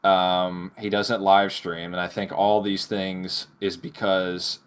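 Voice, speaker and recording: Male podcast co-host, slightly low pitch, casual opinionated talk. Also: level tone, slow.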